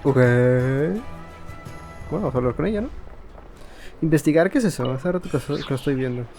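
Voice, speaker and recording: A man's voice: fairly high pitch, lively intonation, fast talker, gravelly, warm tone, faint music behind. A man giving laid-back, slangy commentary while playing a game. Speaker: gamer doing a let's play. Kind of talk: casual gameplay commentary.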